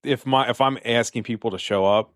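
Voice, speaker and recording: A man's voice: mid-range voice, fairly quick. A man, a filmmaker guest on a podcast, telling loose anecdotes with frequent restarts in casual chat.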